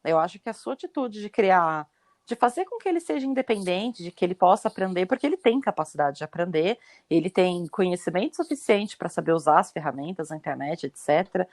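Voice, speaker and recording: A woman hosting a parenting podcast, explaining her advice to a guest in a lively, reassuring way. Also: on the low side, brisk, no room sound. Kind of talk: advice in casual podcast chat.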